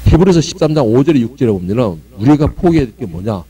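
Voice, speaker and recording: A male pastor preaching a sermon with great emphasis, swinging between loud cries and low murmurs and acting out prayers dramatically. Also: very animated, quick pace, breathy edge. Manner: acts out prayers and quoted voices dramatically. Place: church sanctuary.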